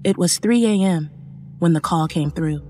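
A woman playing an emergency operator who narrates a first-person horror story in a measured, sombre way. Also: lowish voice, dark tone, lightly acted. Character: female emergency operator recounting a haunting night. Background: faint music.

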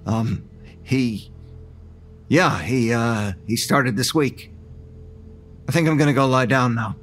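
An actor playing an anxious man who unravels into paranoia, stammering and halting as he narrates. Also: mid-range voice, faint music behind, close to an everyday voice. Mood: tired, evasive. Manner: halting, stammering, rising to desperate pleading. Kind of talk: audio drama acting with narration.

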